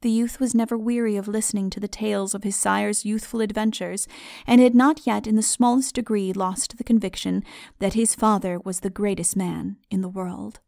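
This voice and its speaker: A woman reading a literary fantasy audiobook as narrator, in measured, formal storytelling. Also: medium pitch, steady tone, creaky, a little mellow, no echo, clean studio sound. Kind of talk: scripted dramatic narration of a literary fantasy tale.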